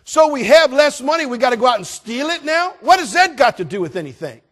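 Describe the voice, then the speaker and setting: Man, pastor, high voice, folksy sermon, joking asides, shouted peaks. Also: sing-song, fairly quick.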